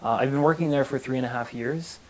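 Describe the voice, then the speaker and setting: Man, twenties, Canadian, interview guest, earnest, steady, filler words, mid-pitched voice. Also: fast talker, rough recording. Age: 20s. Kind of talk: casual interview answers.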